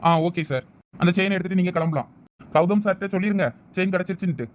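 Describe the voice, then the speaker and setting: A man's voice: high voice, close to an everyday voice. A man with a Thoothukudi Tamil accent voicing a talkative middle-aged police officer in a cartoon, explaining things at length. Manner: rapid, chatty, explaining at length. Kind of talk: cartoon voice acting.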